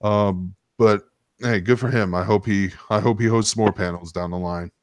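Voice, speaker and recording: A man's voice: fairly low pitch, fairly even intonation, normal speed, no room sound. A man hosting a casual stream, telling stories in a rambling, sometimes profane way. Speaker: stream host. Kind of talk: casual storytelling chat.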